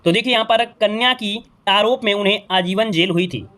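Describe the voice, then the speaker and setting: A man's voice: sits high, moderate pace, sharp tone. A young man, teaching an online exam-prep class, asking questions aloud and then answering them himself. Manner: repetitive, asks and answers his own questions; talks straight to students, greets them.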